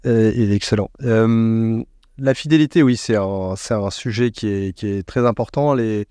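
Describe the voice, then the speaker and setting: A man speaking as an expert podcast guest in a conversational interview, explaining things in a measured way as he thinks aloud. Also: lowish voice, mellow, clean tone, no echo, studio quality.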